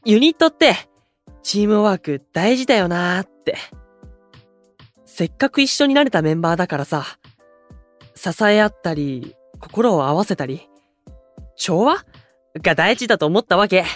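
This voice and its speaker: A man playing a bright, impulsive young male idol in an anime-style audio drama, boyish, slangy and exuberant. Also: high voice, expressive, normal speed, pauses often, no room sound, faint music behind. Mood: earnest, flustered.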